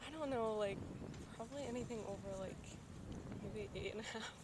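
A woman's voice: on the high side, a little fast, very noisy. A young woman giving shy, unsure, giggly answers while seated outdoors in a street interview. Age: young adult. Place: outdoors on a campus, seated on a ledge.

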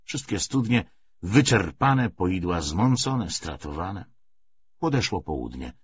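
A man reading a novel aloud as an audiobook narrator, in a dramatic, expressive manner. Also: lowish voice, lo-fi sound, slight background noise. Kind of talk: scripted literary narration of a novel.

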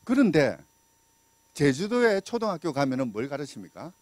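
A man's voice: a little high, sing-song, normal speed, dry recording. A middle-aged man from Busan giving a public law lecture with a handheld mic, talking conversationally and putting questions to the audience. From Busan, South Korea. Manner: conversational, asks the audience questions, many fillers; gestures and walks while talking. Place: small lecture room indoors.

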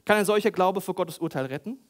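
Animated man preaching a provocative sermon. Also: sits high, fast talker. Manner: animated, provocative, acts out voices and prayers. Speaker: pastor. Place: church hall.

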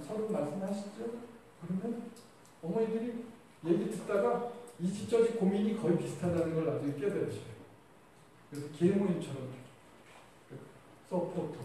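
A man's voice: sits high, dark tone. A male teacher giving a conversational lecture to other teachers and putting questions to a live audience. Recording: echoey hall, distant mic, faint noise.

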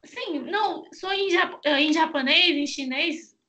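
A young woman hosts a relaxed video-call interview from a small home room, talking through a headset. Her voice sits high and sounds bright and clear. She chats freely, laughing often and filling pauses with little words. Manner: chatty, laughs often, many fillers. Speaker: Chinese teacher and host.

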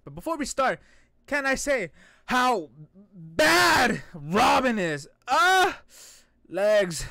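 A man's voice: extremely high pitch, very animated, takes it slowly, vocal fry, pushed and bright, no echo, studio quality. A young man hosting a reaction video with casual, playful, joking and exclamatory commentary. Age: young adult. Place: small indoor room.

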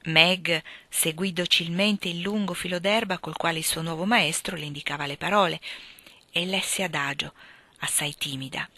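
Brief: expressive female audiobook narrator, slightly low voice. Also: moderate pace, no echo. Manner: clear, expressive reading. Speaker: audiobook reader. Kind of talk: scripted narration.

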